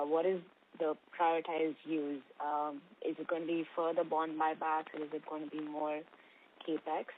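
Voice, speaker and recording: Female analyst, low register, polite structured questioning on a business call, thin noisy telephone audio. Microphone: telephone conference line. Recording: noisy, tinny phone line.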